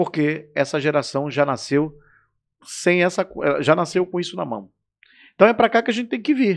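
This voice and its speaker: The intonation is lively, broken by long, frequent pauses. The background is quiet. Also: man, high pitch for a man, moderate pace. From Belém, Pará, northern Brazil; Pará, Brazil. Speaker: football commentator and radio announcer; football commentator, radio announcer. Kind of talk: casual interview chat. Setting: studio. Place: studio. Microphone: studio mic.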